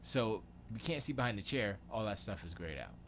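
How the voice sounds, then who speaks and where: A lowish-voiced Florida man hosts a laid-back livestream from his home studio, speaking fairly quickly. He mutters questions to himself as he works, thinking out loud and leaving sentences unfinished, while a constant hiss runs clearly underneath.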